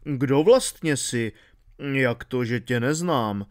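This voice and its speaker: A man voicing a suspicious middle-aged shepherd in an audiobook, asking slow, doubtful questions. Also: mid-range voice, lively intonation, natural voice. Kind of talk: audiobook reading.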